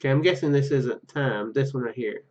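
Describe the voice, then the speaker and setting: A man doing a let's play, reading story text aloud haltingly and dropping in casual asides. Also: medium pitch, highs cut off. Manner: halting, stumbles over read words. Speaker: gaming YouTuber.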